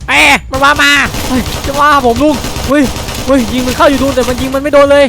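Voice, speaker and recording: A man improvising dramatic game roleplay, excitable, repeating words rapidly and shouting warnings. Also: very high-pitched. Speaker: player acting in a Minecraft roleplay cartoon. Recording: loud background music. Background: music.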